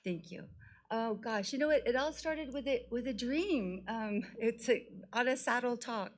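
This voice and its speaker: Woman, higher voice, effusive and informal resident addressing a meeting, prone to laughter. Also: normal speed. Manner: gushing, effusive, laughs often. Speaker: resident presenting a community project. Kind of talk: informal public remarks. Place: council meeting room.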